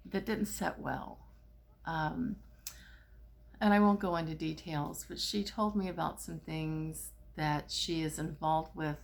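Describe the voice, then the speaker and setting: Gravelly-voiced middle-aged woman telling a story. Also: sits low. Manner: rambling, many fillers and restarts. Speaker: spiritual therapist. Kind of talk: casual storytelling.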